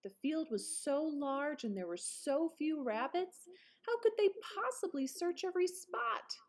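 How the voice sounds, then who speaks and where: A woman reading a children's picture book aloud like a teacher, with dramatic emphasis and quieter explanatory asides. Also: high voice, animated, measured pace. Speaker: read-aloud presenter, teacher. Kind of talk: expressive children's storybook narration with explanatory asides.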